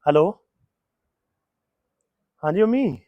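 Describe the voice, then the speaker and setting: An actor playing an impatient young husband who insists on going home in a family drama. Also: male voice, sits high, expressive, slow, dry recording, narrow, tinny audio. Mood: on the phone. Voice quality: insistent, grumbling. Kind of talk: Punjabi family drama acting.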